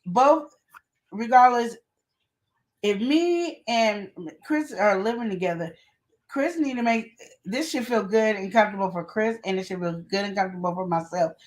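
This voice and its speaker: A woman co-hosting a live relationship advice show, talking in casual chat with emphatic, animated storytelling and quoted asides. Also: medium pitch, moderate pace, poor audio.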